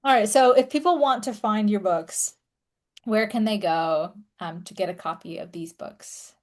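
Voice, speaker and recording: A woman hosts a conversational interview podcast. Her phrasing is informal and unscripted, often padded with "like". She speaks at an ordinary middle pitch. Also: moderate pace. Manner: informal, peppered with "like". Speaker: podcast host. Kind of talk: casual interview chat.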